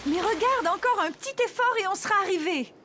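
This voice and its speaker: A gentle cartoon mom with a high voice that swings in pitch. She is patient and encouraging, with clear noise behind her. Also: animated, fast talker. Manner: encouraging, reassuring. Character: gentle, patient, reassuring young mother. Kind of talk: children's cartoon dialogue.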